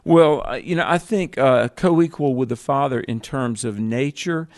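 Male radio Bible co-host, measured and teacherly, cites chapter and verse. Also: mid-range voice. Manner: measured, explanatory, scripture-citing. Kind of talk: call-in radio Bible talk.

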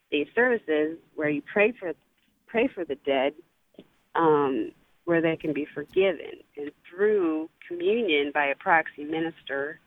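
A woman calls in over a narrow, tinny phone line. She is hesitant and fills her pauses with "um" as she asks her question. The sound is dry, with no room around it. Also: deep voice, no echo. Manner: hesitant, many "um" fillers. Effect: heard over the phone. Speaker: caller. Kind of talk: call-in question to a radio show.

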